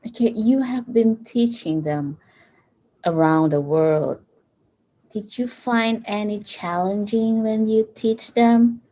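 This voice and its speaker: Slow-speaking woman with a strong East Asian accent. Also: on the high side, dark tone. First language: non-native English speaker. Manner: halting, searching for words. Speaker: language student. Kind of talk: casual interview questions.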